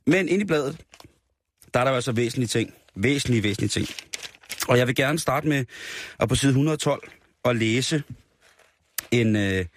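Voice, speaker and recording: A man's voice: medium pitch, lively intonation, pauses often. A man hosting a radio show in a studio, chatting casually and reading from magazines with many hesitant fillers. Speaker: radio host. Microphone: studio microphone.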